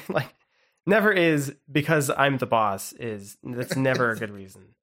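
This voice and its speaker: A man co-hosting a podcast, chatting casually in a rambling, halting way with lots of "like". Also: medium pitch, fairly bright tone. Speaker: podcast co-host. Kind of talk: casual chat.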